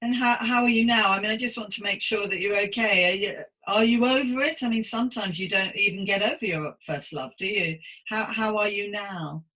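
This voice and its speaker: Bright-voiced woman hosting a supportive interview. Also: mid-range voice, a little fast, few pauses, poor audio. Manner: effusive, gently encouraging. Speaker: podcast host and psychotherapist.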